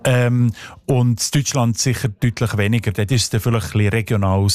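A man's voice: medium pitch, fairly even intonation, brisk, darkish tone, dry recording. A man with a Swiss German accent, a dialect expert explaining thoughtfully in a radio studio interview, with frequent hesitations.

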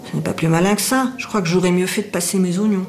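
Brief: a woman putting on a bullying innkeeper woman, shrill and loud, snapping orders in a storybook reading. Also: steady tone, fast talker, faint music behind, close to an everyday voice. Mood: grumbling. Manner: scolding, barking orders. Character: harsh, bullying female innkeeper.

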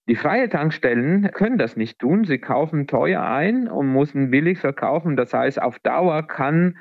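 A man's voice: fairly high pitch, expressive, measured pace, vocal fry, no room sound, narrow, tinny audio. A man from Italy, a native Italian speaker, answering as an economist in a radio interview, hesitant with many fillers. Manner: hesitant, many ums and uhs.

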